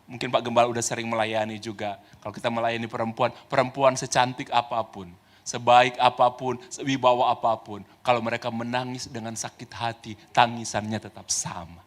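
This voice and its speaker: A male pastor, preaching a lively sermon full of stories. He swings between loud exclamations and soft asides and laughs often. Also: mid-range voice, fairly quick. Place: church.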